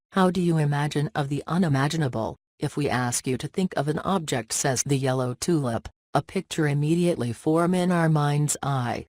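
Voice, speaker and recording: A man's voice: a little high, a little mellow, no room sound, clean studio sound. A man reading scripted practice passages aloud in a stilted way, dropping some word endings.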